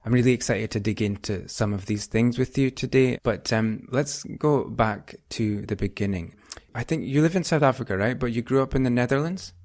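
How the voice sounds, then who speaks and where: A man's voice: medium pitch, moderate pace, hardly any pauses, darkish tone, no room sound. A man hosting a podcast, enthusiastic, with fillers and some hesitation. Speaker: podcast host. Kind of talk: podcast intro and interviewing.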